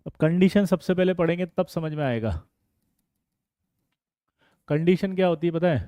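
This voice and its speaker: Male chemistry tutor, bright high register, teasing and fast-prompting, dry close-mic sound. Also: smooth, no echo. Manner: playful, teasing students by name, rapid "jaldi batao" prompts. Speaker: chemistry teacher. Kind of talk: energetic online exam-prep lesson.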